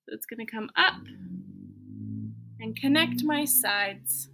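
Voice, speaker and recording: An elementary school teacher leads children through a drawing lesson step by step, giving simple, encouraging instructions and thinking aloud along the way. Her voice is a little high, expressive and slow, with a noisy background.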